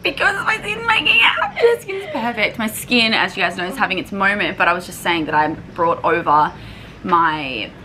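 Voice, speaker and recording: A young woman in her twenties chatting to her viewers in a casual travel vlog, bubbly and fast to laugh, speaking to a camera on a balcony. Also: mid-range voice, big pitch swings, noisy background. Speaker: vlogger. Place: hotel balcony. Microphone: camera on a tripod at table.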